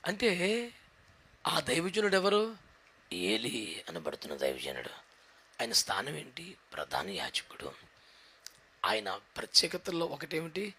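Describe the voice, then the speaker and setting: A man's voice: mid-range voice, huge pitch swings, measured pace, pauses often, sharp tone, husky. A man preaching a sermon, building up with rhythmic repeated questions and a Telugu accent. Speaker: pastor.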